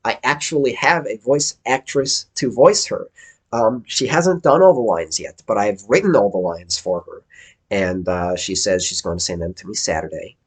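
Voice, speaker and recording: Man, fairly low voice, casual game developer update, excited, rambling, restarts his sentences. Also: moderate pace, breathy edge. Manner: enthusiastic, rambling, self-correcting.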